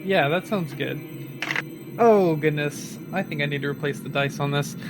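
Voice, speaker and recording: A man's voice: fairly high pitch, normal speed, over music, rough recording. A man chatting and narrating casually as a player in a tabletop game, informal and a little hesitant.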